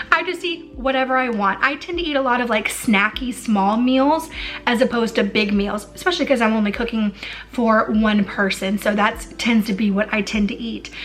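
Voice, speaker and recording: Noticeable background noise sits behind the speaker. The voice has an American accent and ordinary pitch variation. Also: woman, fairly high pitch for a woman. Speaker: lifestyle vlogger. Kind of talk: casual chat. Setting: home kitchen. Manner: fast.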